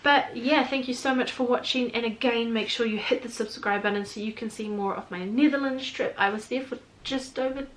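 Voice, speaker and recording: A woman's voice: fairly high pitch, brisk, few pauses, a little hiss or hum, poor audio. Chatty young New woman vlogging. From New Zealand. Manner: chatty, rambling, full of "like" and "um". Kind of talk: casual storytime chat.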